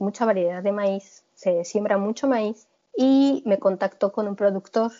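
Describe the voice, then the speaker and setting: An ordinary speaking voice talks at a fairly slow pace. The intonation stays fairly even. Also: woman. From Mexico. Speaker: culinary workshop teacher. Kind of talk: interview.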